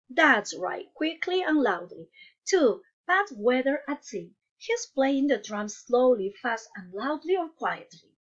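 A high-pitched woman, her audio sounding dull, teaches English to young children in an online lesson. She's patient, asking questions and praising every answer.

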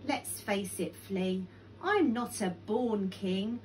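A woman's voice: mid-range voice, takes it slowly, a little mellow, slight background noise, lightly acted. A woman voicing a timid lion king in an animal storybook, hesitant and unsure of himself. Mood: dejected, timid. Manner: hesitant, nervous, stammering.

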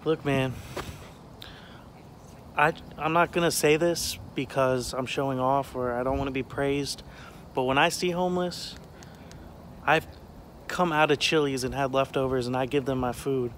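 A man's voice: medium pitch, steady tone, a little slow, long pauses, a bit bright. A young man talks earnestly to his phone camera while walking around an abandoned motel outdoors. He sounds casual but preachy when making a point, with a faint background hiss. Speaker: vlogger exploring abandoned buildings. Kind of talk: casual vlog chat. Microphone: phone camera held at arm's length.

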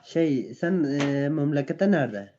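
A man from Afghanistan with an Afghan accent, chatting casually in broken, halting, foreign-learner phrases with simple grammar. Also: a little high, expressive, warm tone, muffled recording, a little hiss or hum. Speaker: guest caller on a live stream. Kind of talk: casual chat.

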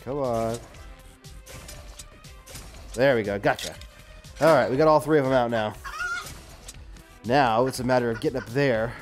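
A man's voice: mid-range voice, measured pace, pauses often. A man giving casual, exclamatory commentary as he plays a video game, muttering short repeated phrases and mild, clean exclamations to himself. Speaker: gaming video host. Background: game music and sound effects.

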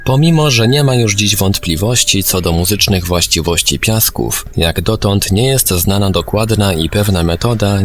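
Man, low-pitched voice, scripted documentary narration, measured formal reading, slight background noise. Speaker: audiobook narrator.

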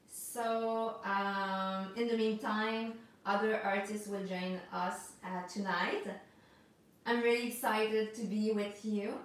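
A woman's voice: fairly high pitch, far from the mic. Nervous French-accented woman in echoey room. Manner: hesitant, many ums and restarts, says she is nervous. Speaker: art instructor hosting a livestream. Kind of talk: live-streamed masterclass, chatty and greeting viewers. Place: home studio room with art supplies on a table. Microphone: camera a few feet away.

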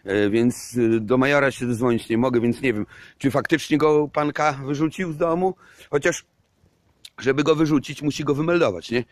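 A man's voice: mid-range voice, moderate pace, dry recording. A man rambling in a casual vlog monologue while walking outdoors at night. He hedges a lot and swears casually. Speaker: vlogger. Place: outdoors at night under a street lamp.

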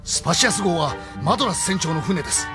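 Brief: a dutiful young officer, raised pitch, politely reporting bad news. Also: male voice, animated, fast talker, bright, forceful tone, soft background music. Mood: deferential. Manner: formal, deferential reporting. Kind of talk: radio drama acting.

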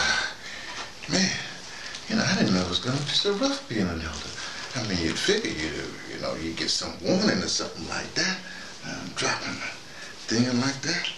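An older man delivers a rambling, folksy, preachy monologue, repeating phrases for emphasis. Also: mid-range voice. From United States. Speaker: vlogger, audio dramatist. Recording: roomy, distant mic, faint background noise.

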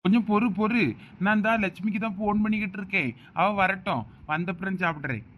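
An anxious village husband with a Thoothukudi accent, played by a man in a rustic drama. His voice is high for a man, fast and grumbling with impatience. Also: muffled recording, a little hiss or hum, close to an everyday voice. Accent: Thoothukudi Tamil.

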